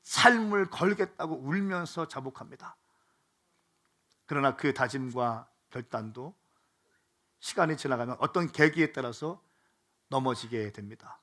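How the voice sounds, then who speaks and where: A middle-aged man preaching a sermon as pastor, moving between slow, pleading passages and loud, fervent exhortation. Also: mid-range voice, expressive.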